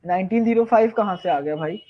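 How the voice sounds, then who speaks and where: A male tutor giving a live online revision lecture, firing off quiz questions and answering them himself, slowing down to dictate key terms. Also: high voice, lo-fi sound. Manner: quizzes viewers, then answers his own questions. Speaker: pharmacognosy tutor.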